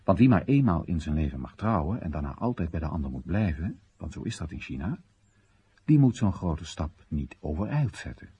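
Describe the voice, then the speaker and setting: A man's voice: low-pitched, darkish tone, husky, exaggerated voice. An actor playing a wry Chinese everyman who narrates and questions his country's policies in a radio drama monologue, ironic, rhetorical and theatrical.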